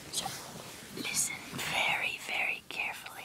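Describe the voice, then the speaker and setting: Over noticeable background noise, a woman whispers. Her pace is very slow. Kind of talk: ASMR talk to camera. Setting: close-up microphone. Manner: whispered, soft-spoken.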